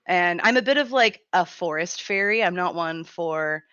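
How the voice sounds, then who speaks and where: A woman in her thirties hosting a radio show in casual chat, her voice raspy and gruff from a cold, chatty and laughing often. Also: on the low side, animated, normal speed, bright, forceful tone, no room sound, dull audio. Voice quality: raspy, grumbly. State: has a cold, gruff throat. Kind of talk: casual live-stream chat.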